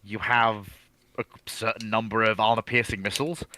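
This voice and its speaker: A man's voice: on the low side, little pitch movement, moderate pace, pushed and bright, low-quality recording. A man on a discussion panel, explaining off the cuff in a methodical, emphatic way and restating his points. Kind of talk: unscripted expert discussion.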